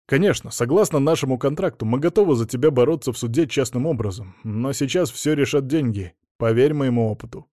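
A man's voice: medium pitch, brisk, few pauses, warm tone, no echo, close to an everyday voice. Middle-aged male lawyer read by a man, wry and blunt, a slightly raised voice, dry studio. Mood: matter-of-fact. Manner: frank, matter-of-fact, faintly mocking.

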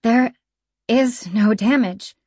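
A woman voicing a careful, deadpan female tinkerer who speaks in a measured, slightly formal way. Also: on the high side, slightly rough, no room sound, voice pushed up.

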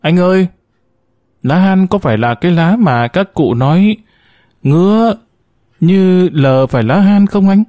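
A man voicing a blunt, crude young country woman in a read-aloud story, pitching his voice up and sounding strident. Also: expressive, unhurried, long pauses, warm tone, no echo, clean studio sound. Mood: whining. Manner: raised, strident delivery.

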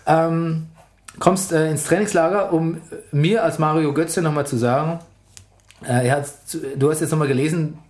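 Podcast co-host guy, animated casual chat, bit high, echoey room. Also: normal speed. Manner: animated, quotes and acts out anecdotes.

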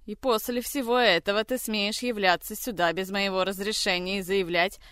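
Figure: furious man voiced by a reader. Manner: shouting, harsh, accusing. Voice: smooth and clear, louder and higher than the narration. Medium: audiobook. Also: normal speed, no room sound, studio quality, close to an everyday voice. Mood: enraged. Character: furious man, a general's grandson, lashing out.

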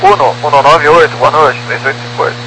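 A male airline pilot speaks over the aviation radio in clipped readbacks. His delivery is very quick, and a clear hum and noise run through the transmission. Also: fairly high pitch, steady tone. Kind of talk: air traffic radio communication. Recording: noisy humming aircraft radio transmission.

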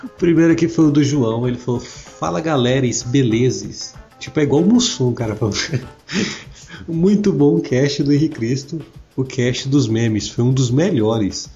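A man hosting a casual comedy podcast who has the flu, relaxed and laughing as he introduces guests and reads out comments. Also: medium pitch, unhurried, muffled recording, faint music behind. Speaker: podcast host.

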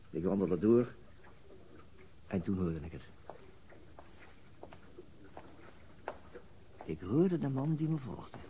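An actor playing a weary, dry police detective in a radio drama, speaking in a deliberate, understated way. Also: male voice, fairly low pitch, mellow. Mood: reflective, tense. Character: male police detective, weary, dry, recounting being shadowed. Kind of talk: radio drama acting, narrating and dialogue. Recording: noisy older radio drama recording.

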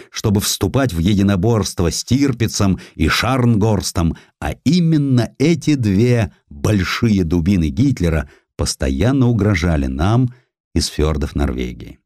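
A man with a low voice narrates history in a dramatic, scripted style. His intonation rises and falls widely as he stresses key phrases with measured emphasis. The recording is close and dry. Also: very animated, a little mellow, no room sound. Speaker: audiobook narrator.

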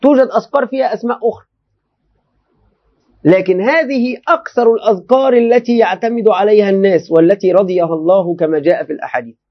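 A man's voice: high-pitched, quick pace, dull audio. A man teaching a religious text in a classroom lecture, often repeating and restating phrases and speaking directly to his students. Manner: addresses listeners directly, often checking understanding.

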